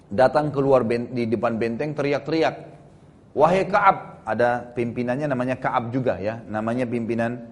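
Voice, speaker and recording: A male preacher telling a religious history story in a lecture, acting out the people he quotes. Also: mid-range voice.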